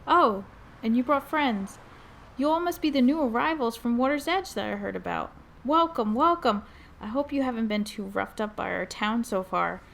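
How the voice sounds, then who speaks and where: A woman's voice: a little high, expressive, moderate pace, creaky, a bit bright. A woman playing a welcoming but worried middle-aged mayor in an audio drama, speaking in a courteous, direct, articulate way.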